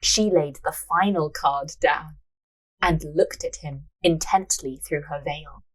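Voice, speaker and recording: Lower-pitched, husky woman narrating stories. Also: takes it slowly, poor audio. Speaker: podcast host, writer and narrator. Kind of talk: story narration mixed with casual banter.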